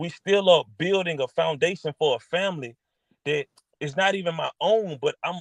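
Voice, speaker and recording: A man speaks loudly at a high pitch. His pace is moderate and his pitch variation ordinary. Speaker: podcast host; artist. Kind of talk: casual chat. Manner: animated.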